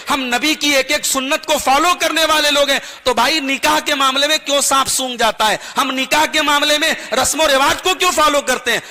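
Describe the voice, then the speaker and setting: A man delivers a sermon in a high, piercingly bright voice. He pleads and admonishes earnestly, with rhythmic sing-song repetition. His words ring out with a long hall reverb. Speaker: preacher. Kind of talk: sermon to a gathering.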